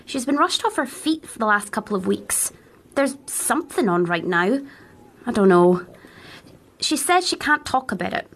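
A woman's voice: fairly high pitch, big pitch swings, moderate pace, a bit bright, full character voice. A woman playing a matter-of-fact, tech-savvy schoolgirl with a British accent in a children's radio drama. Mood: offhand, reluctant.

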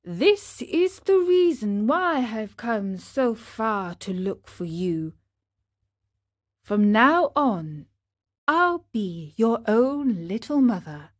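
Soft motherly fairy lady, calm and teachy, takes her time, a woman reading it. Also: a little high, slow, no echo, studio quality, exaggerated voice. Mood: tender. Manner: calm, tender and instructive.

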